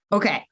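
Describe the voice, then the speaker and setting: A woman hosting a podcast interview in a chatty, self-deprecating way that is full of quick laughs. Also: fairly bright tone. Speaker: podcast host. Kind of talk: casual interview chat.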